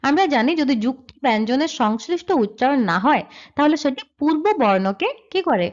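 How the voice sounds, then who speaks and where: A woman with a high, lively voice teaches a slide-based grammar lesson. She explains step by step, posing questions and answering them herself. The sound is dull and lo-fi. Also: brisk.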